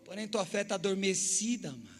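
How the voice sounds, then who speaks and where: A male pastor with a Brazilian accent preaching a sermon, animated and acting out little dialogues with the congregation. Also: high voice, quick pace, vocal fry. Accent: Brazilian Portuguese. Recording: echoey church hall with faint music.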